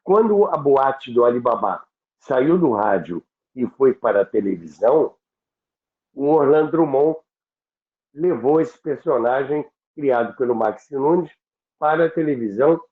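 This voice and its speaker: Slow Brazilian man, phone-like sound. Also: mid-range voice. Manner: deliberate, halting, repeats himself for emphasis. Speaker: radio history storyteller on a podcast. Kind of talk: anecdotal storytelling talk. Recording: roomy, tinny phone-like sound.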